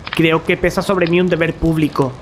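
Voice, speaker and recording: An actor playing a resolute, grave young male student in an audio drama, speaking formal Castilian Spanish firmly and deliberately. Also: on the high side, steady tone, slight background noise, close to an everyday voice. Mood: grave, determined.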